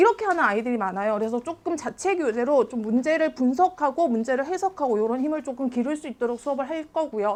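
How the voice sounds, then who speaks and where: At a very fast pace, a woman talks in a high voice with lively intonation. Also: hardly any pauses. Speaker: math teacher at a cram school. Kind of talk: presentation to parents.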